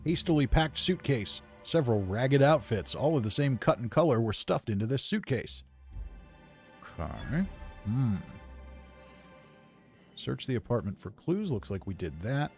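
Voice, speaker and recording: A man's voice: medium pitch, sing-song, unhurried, darkish tone, soft background music. A man giving easygoing, casual game commentary, thinking aloud as he plays. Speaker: gamer narrating playthrough.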